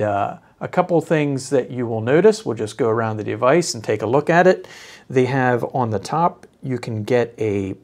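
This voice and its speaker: A man giving a casual, unscripted product demonstration, speaking haltingly as he thinks aloud. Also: mid-range voice, darkish tone.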